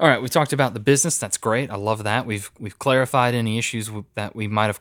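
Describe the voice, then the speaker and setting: Very fast speech with ordinary pitch variation, in a very clean recording that has a silent background and a dry, close sound with no echo. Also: man. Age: 30s. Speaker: podcast co-host. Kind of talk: casual chat.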